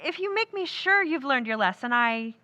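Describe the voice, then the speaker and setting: A woman's voice: high voice, expressive, normal speed, sharp tone. A woman acting in an old-time radio drama as an earnest young sweetheart, pleading but firm, on a slightly dull recording. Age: young adult.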